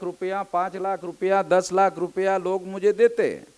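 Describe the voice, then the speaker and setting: A man with a high voice speaks with a Marathi accent. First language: Marathi (speaking Hindi). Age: 60s. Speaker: social movement leader. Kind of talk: public speech.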